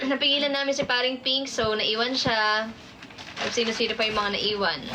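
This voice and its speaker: A woman's shaky voice, with fairly even intonation, comes through with audible room echo. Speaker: livestreamer. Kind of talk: livestream chat telling a story.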